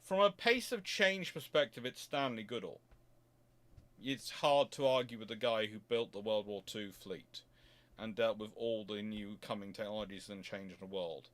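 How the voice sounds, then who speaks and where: A man's voice: fairly low pitch, normal speed, fairly bright tone. A man hosting an off-the-cuff explanatory talk, emphatic and digressive, often correcting himself as he goes. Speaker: host answering audience questions.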